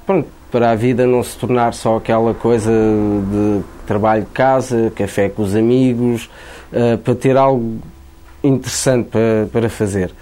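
A man's voice: medium pitch, steady tone, normal speed, mellow. A man born in Angola, a painter, speaking in a casual interview, often repeating words while he thinks.

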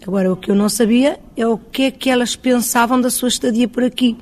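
A woman with a European Portuguese accent speaks as a hotel owner in a news interview. Her voice is a bit high, and she talks chattily, restarting phrases as she thinks aloud and acting out what was said. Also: fast talker, darkish tone.

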